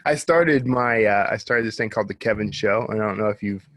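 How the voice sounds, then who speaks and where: A man's voice: lowish voice, a little fast, fairly bright tone, no echo, clean studio sound. A man hosting a podcast, chatting casually and informally with a guest. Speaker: podcast host.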